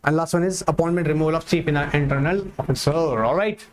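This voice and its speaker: A man teaching an exam-prep lecture online, mixing Hindi with English terms and slowing down to read English text aloud. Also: on the high side, background noise. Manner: asks and answers his own questions, slows to read English text aloud. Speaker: online tutor.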